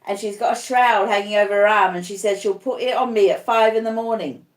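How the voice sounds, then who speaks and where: A woman's voice: mid-range voice, brisk, roomy sound, natural voice, rough recording. A woman reading a storybook as a terrified dying man, raving and pleading in panicked cries. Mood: frightened. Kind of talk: audiobook character acting.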